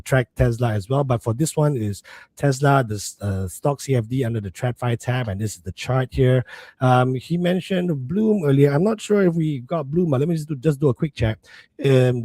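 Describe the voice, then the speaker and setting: A man with a mixed international English accent hosts a live trading webinar as a livestream host, chatting casually and calling his viewers "folks." His voice is medium-pitched and mellow, with no echo, and his conversational delivery is packed with fillers.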